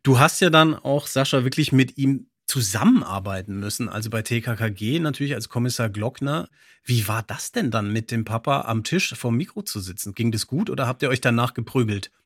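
A man's voice: mid-range voice, fairly quick, fairly bright tone, dry recording, studio quality. A man hosting a podcast in a conversational, enthusiastic and playful way. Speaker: podcast host. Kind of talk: conversational interviewing.

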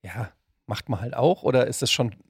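A man's voice: mid-range voice, moderate pace, gravelly, husky, no room sound, clean studio sound. A man, hosting a casual interview as a podcast host.

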